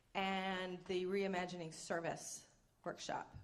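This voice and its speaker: A woman's voice is heard with audible room echo. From Kentucky. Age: 40s. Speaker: trainer. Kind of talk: workshop presentation. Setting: conference room with audience. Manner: animated.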